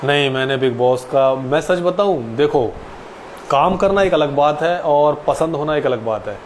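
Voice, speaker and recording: A man's voice: fairly high pitch, expressive, measured pace, a little hiss or hum, poor audio. Man in his late twenties chatting live. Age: 20s. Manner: polite, addresses viewers with "ji". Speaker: actor hosting a live Q&A. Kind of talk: casual live-stream chat answering viewers.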